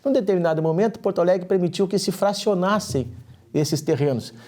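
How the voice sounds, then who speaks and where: A man, a lawyer guest, explaining property registration in a measured way on a studio talk show. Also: sits high, darkish tone. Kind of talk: explanatory interview answer.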